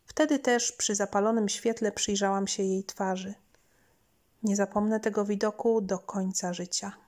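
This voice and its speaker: A woman's voice: mid-range voice, fairly even intonation, moderate pace, darkish tone. A woman reading a scripted first-person horror story as an audiobook narrator. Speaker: audiobook reader. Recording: lo-fi home audiobook recording.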